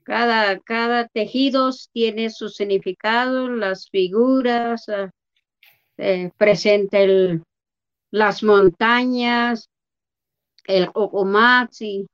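An older woman speaks slowly and haltingly, pausing to find her words. The recording is dull and lo-fi. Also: mid-range voice, clean tone. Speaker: guest, a weaver. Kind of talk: hesitant interview talk.

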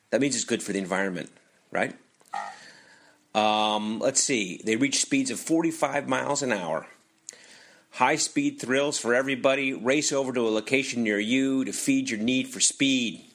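An American man hosting a podcast, talking loosely and haltingly through plugs and sponsor reads in a casual, ad-libbed way. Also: medium pitch, fairly bright tone. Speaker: podcast host.

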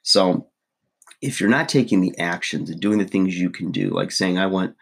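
A man with a very low, husky voice speaks to his viewers early in the morning. His groggy voice carries a loose, rambling coaching talk with plenty of fillers. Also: normal speed. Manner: rambling, many fillers and asides. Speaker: fitness coach and vlogger. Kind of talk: casual motivational talk to camera.

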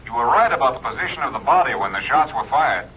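An American actor playing a brisk, clipped, official police captain in a 1950s radio drama. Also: male voice, mid-range voice, very animated, sharp tone, lo-fi sound, a little hiss or hum. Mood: businesslike. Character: brisk police captain reporting lab findings. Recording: thin, band-limited old radio recording.

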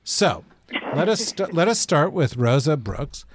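A man from New Jersey hosting a casual panel chat, wry and joking, halting with fillers. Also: fairly high pitch, very animated, noisy background. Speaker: podcast host.

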